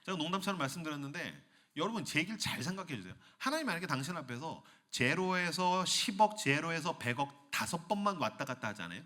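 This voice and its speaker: A man's voice: fairly high pitch, fast talker, hardly any pauses. A man preaching to a young adults' retreat in a church hall, playful and acting out scenes. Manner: animated, playful, acts out scenes. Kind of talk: sermon.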